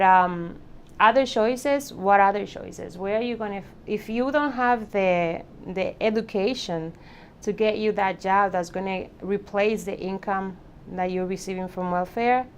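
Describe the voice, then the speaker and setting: A woman's voice: mid-range voice, moderate pace, a little hiss or hum. A woman from the Dominican Republic, speaking reflectively with hesitant restarts in a documentary interview.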